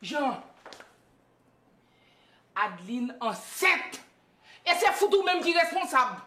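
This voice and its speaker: A woman's voice: a little high, expressive, a little slow. An actress playing an upset, emphatic middle-aged mother in a film. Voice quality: emphatic, voice rising to shouts. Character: agitated middle-aged mother, loud and fretful. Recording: echoey room.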